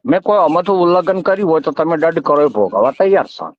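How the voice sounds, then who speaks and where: A man's voice: a little high, very animated, fast talker. A man with a rural North Gujarati accent, explaining and recounting insistently in a phone conversation. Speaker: community organiser. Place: phone call. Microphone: telephone. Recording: muffled recorded phone call.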